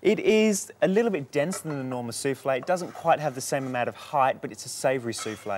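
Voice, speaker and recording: A man's voice: medium pitch, lively intonation, fast talker, a little hiss or hum. A young man, a chef in a studio kitchen, explaining a recipe in a friendly way. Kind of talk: cooking demonstration.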